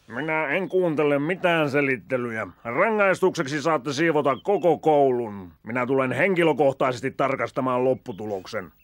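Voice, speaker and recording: A man puts on a gruff character voice at a medium pitch, with lively intonation and hardly any pauses. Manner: gruff, commanding, scolding.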